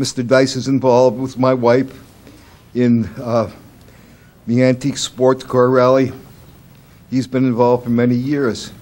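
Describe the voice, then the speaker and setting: Monotone, flat intonation at a moderate pace, with a Brooklyn accent. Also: man. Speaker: resident speaking at public comment. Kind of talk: public comment at council meeting. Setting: council chamber, public meeting.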